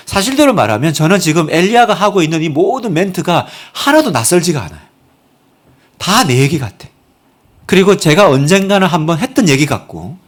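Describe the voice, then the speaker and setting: A middle-aged man preaching a sermon as pastor in a church, expressive, moving between hushed and emphatic delivery. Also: on the high side. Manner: expressive, acts out voices and quotes with sudden loud and soft swings. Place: church sanctuary.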